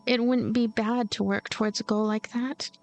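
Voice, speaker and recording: A let's player reads visual-novel story narration aloud with expression, her voice on the high side, steady and darkish, at normal speed. Game music plays behind her.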